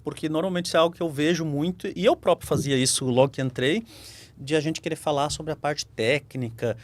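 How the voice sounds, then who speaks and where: A man with a Brazilian Portuguese accent, a guest lawyer on a podcast, talking in a measured, reflective way. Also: a little high. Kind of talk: conversational interview.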